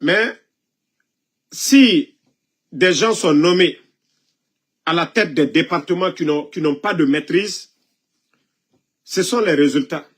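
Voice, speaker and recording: High-voiced man, indignant, with a cold. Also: slow, long pauses, a bit bright, breathy edge. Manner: indignant, scolding, emphatic rhetorical questions. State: has a cold, coughing. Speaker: political commentator. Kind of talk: impassioned political commentary.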